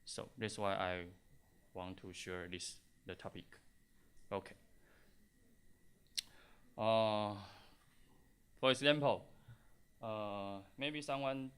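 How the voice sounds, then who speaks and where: Slow, halting Taiwanese-accented man presenting. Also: fairly low pitch, steady tone, a bit bright, clear, resonant tone. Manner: halting, hesitant delivery in non-native English with frequent pauses. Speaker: conference speaker, software test engineer. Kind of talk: conference tech presentation.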